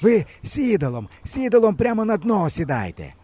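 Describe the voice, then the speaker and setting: A man reading a storybook, voicing a gruff, bossy old village grandfather who scolds bluntly. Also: high-pitched, huge pitch swings, normal speed, dark tone, voice pushed up, exaggerated voice. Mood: calm advising.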